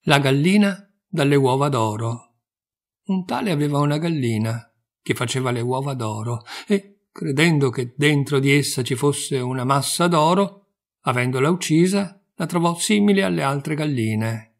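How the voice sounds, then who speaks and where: A man narrates a set of old fables in a calm, measured way, giving each moral plainly. His voice sits at an ordinary middle pitch for a man. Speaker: reader of fables.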